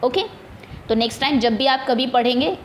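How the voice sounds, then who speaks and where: Woman, Indian accent, slightly high voice, patient bilingual grammar teacher for kids. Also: steady tone, fairly quick, a little hiss or hum. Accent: Indian English. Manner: explains patiently in Hindi mixed with English, asks pupils questions. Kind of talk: online grammar lesson for children.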